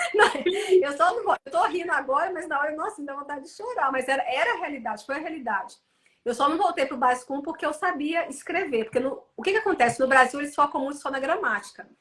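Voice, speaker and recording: A woman talks at a very fast pace in a high pitch. Her tone is bright and sharp, and her intonation lively. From Brazil, Minas Gerais (Sete Lagoas). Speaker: children's author. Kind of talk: interview.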